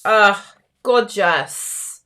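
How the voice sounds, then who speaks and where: Woman, croaky voice, slow and chatty, bright tone, laughs at herself, live craft class host. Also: mid-range voice, expressive. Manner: chatty, giggly, self-teasing. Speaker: card-making instructor and livestream host.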